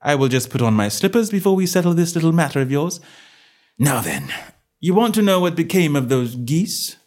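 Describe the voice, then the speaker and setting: A man voicing a calm, self-assured male detective with a bland, measured manner. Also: fairly high pitch, voice pushed up. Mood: cheery.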